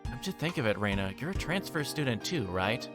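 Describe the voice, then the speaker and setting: A man voicing a cheerful, gentle, curious teenage girl from a visual novel, in a soft, lilting manner. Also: mid-range voice, sing-song, brisk, over music, close to an everyday voice.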